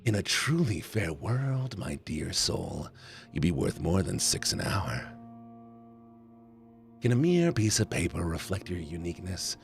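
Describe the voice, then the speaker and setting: A man voicing a smooth, flirtatious and sinister self-styled king, with theatrical, velvety courtesy, for a visual novel. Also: low voice, big pitch swings, unhurried, soft background music, pitched below the performer's own voice, exaggerated voice. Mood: seductive. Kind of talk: visual novel voice acting on a stream.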